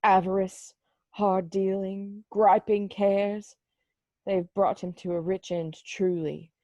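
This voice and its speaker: A woman as solemn, frightened old Scrooge, mellow. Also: medium pitch, flat delivery, slow, no echo, close to an everyday voice. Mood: horrified. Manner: solemn, theatrical. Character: frightened, remorseful old male miser named Scrooge. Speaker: library staff reader in a play. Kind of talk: amateur dramatised reading.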